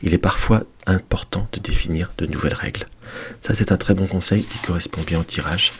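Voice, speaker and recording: Hoarse, very low-voiced male card reader; chatty weekly guidance, faint hiss. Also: a little fast. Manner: chatty, addresses viewers as dear friends; counts cards aloud softly. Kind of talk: weekly tarot guidance video. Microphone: desk microphone.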